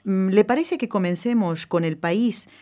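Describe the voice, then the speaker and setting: A woman's voice: medium pitch, unhurried, warm tone. A woman from Argentina with an Argentine accent, hosting a radio interview, agreeing eagerly and guiding the questions. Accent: Argentine Spanish. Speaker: radio host.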